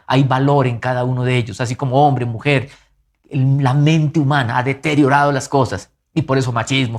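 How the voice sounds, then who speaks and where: A male pastor gives an earnest, emphatic sermon in a mid-range voice, moving from lively rises down to soft, quiet drops.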